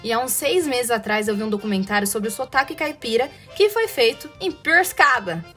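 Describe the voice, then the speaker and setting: A woman with a strong caipira accent talks through her podcast in a high, bright-pitched voice. She teases her listeners with rhetorical questions and dry, sarcastic asides. Faint music plays quietly underneath. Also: lively intonation, a little fast. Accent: Brazilian caipira, rolled-back R. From interior of São Paulo state, Brazil. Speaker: podcast host. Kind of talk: casual educational podcast monologue.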